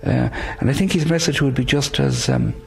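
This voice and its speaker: A man's voice: medium pitch, a little fast, creaky. A man from the west coast of Ireland with an Irish accent, a Catholic priest answering interview questions hesitantly with many fillers.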